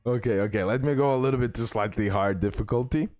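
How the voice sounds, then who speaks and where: A man giving casual, excitable gameplay commentary, repeating words and talking straight to his viewers. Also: mid-range voice, fast, no echo. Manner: excitable, repetitive, addresses viewers directly. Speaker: gaming content creator, host. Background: music.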